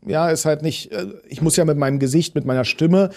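This man, in his thirties and from Potsdam, Germany, is an actor who speaks with a Berlin dialect. His voice is fairly high and darkish, and he talks fairly quickly. In this interview conversation he chats with many fillers and restarts.

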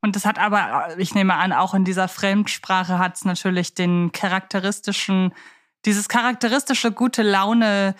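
A woman's voice: mid-range voice, normal speed. A woman hosting a podcast interview in a conversational, wordy way, often searching for her phrasing. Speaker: podcast host.

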